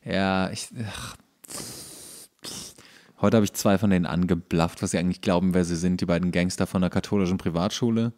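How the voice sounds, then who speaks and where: A man co-hosting a podcast, telling anecdotes in casual, halting talk where he often repeats himself. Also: sits low, fairly even intonation, a little mellow. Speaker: podcast co-host.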